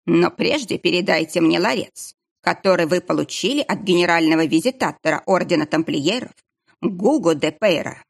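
A woman's voice: on the low side, animated, gravelly, slightly rough, heavily acted. A woman voicing a formal, stern royal commissar making an arrest. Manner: formal, measured.

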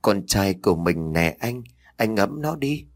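A man's voice: fairly low pitch, very animated, unhurried, exaggerated voice. A man voicing a possessed young man who barks threats and wails. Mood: eerie. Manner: gruff, barking, threatening. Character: possessed young man, menacing, rude and hungry.

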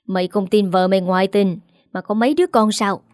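A woman's voice: mid-range voice, brisk, a little mellow, dry recording, clean studio sound, close to an everyday voice. A woman voicing a harsh, scolding old mother-in-law with a cutting, contemptuous manner.

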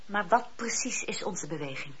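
An actress playing an earnest, questioning gentlewoman in a historical radio drama, sincere and insistent. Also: medium pitch, lively intonation, normal speed, slightly rough. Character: earnest, affectionate but questioning Quaker gentlewoman. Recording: muffled lo-fi radio drama recording.

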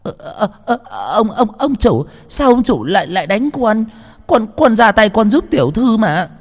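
A man's voice: high voice, big pitch swings, normal speed, big-room sound, voice pushed up. A man voicing a spiteful young maidservant who sneers, stammers and begs. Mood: begging. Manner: stammering, sneering then begging. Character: spiteful young female servant, groveling.

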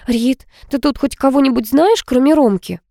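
A woman's voice: high voice, normal speed, creaky, warm tone, no room sound, studio quality, voice pushed up. A woman reading an audiobook voices a playful, dreamy young woman, the narrator's best friend. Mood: uneasy.

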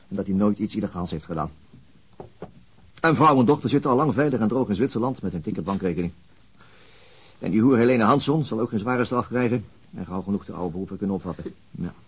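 A middle-aged police inspector in a naturalistic radio play. His voice is low and husky. He grumbles bluntly, with a gloomy, bitter cynicism. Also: animated, quick pace, pauses often, dull audio. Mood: bitter, cynical. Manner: grumbling, sardonic, blunt and coarse. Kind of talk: naturalistic radio drama acting.

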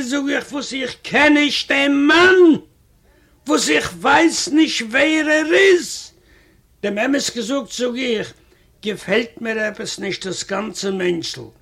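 Guy reading a funny story out loud, really high voice, slow and unhurried. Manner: chatty, repeats "I say" as he retells a quarrel. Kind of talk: reading a comic first-person story aloud.

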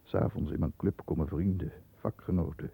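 A man acting a stern, proud middle-aged lawyer in a 1960s radio play, speaking with formal, measured diction. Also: deep voice, fairly even intonation, vocal fry, husky, full character voice. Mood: grim, agitated. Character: stern, proud male lawyer protecting the family name. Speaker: actor in a radio drama. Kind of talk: 1960s Dutch radio play acting, first-person narration and dialogue. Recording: muffled, thin 1960s radio recording.

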